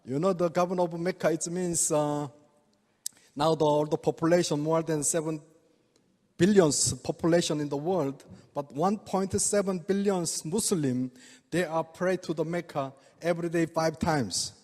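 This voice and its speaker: An older Korean-accented man gives a talk in broken, halting English, often breaking into chuckles. His voice sits a bit high for a man. The long reverb of a large hall trails every phrase. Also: a little mellow. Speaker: speaker, oriental medical doctor. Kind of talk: presentation to a live audience.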